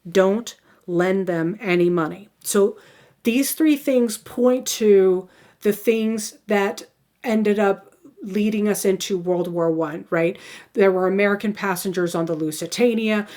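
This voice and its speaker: A woman's voice: medium pitch, fairly even intonation, measured pace, a little mellow. A woman teaching a recorded history lecture in a conversational way, with many fillers and restarts, repeating key points for her students. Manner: plays out the isolationist view in first person.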